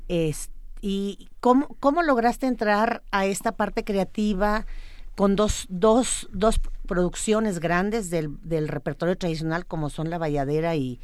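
Woman, interviewer, smooth clear voice, dry sound, halting and enthusiastic. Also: mid-range voice, no room sound. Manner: halting, many fillers and restarts, enthusiastic. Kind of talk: interview, hesitant chat.

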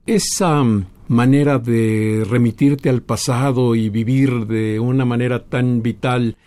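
Mellow-voiced male radio host. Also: mid-range voice, steady tone, dry recording. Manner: measured questions with small hesitations. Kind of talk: radio interview.

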